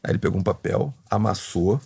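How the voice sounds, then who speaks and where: A man's voice: fairly low pitch, fairly quick, gravelly, breathy edge, dry recording. A man, a recording engineer telling studio stories in a casual interview, acting out the dialogue and swearing freely. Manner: animated, acts out quoted dialogue, swears freely.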